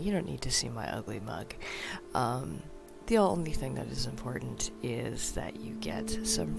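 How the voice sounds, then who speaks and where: Low gravelly half-whispering woman over music. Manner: soft half-whispered, with many ums. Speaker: meditation livestream host. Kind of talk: soft-spoken casual chat. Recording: loud music behind the voice.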